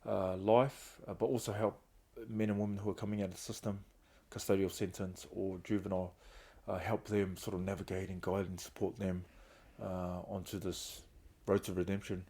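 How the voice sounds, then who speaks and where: A man's voice: low voice, level tone, moderate pace, hardly any pauses, dark tone, slightly rough. A middle-aged man, a podcast guest candidly telling his own story, earnest and open about hard times. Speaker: guest, founder of a reintegration trust.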